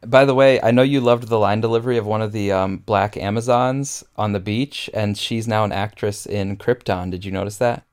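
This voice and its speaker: Smooth low-voiced man chatting about film. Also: steady tone, moderate pace, hardly any pauses, darkish tone. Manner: enthusiastic, frequent fillers and laughs. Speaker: podcast co-host. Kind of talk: casual film discussion.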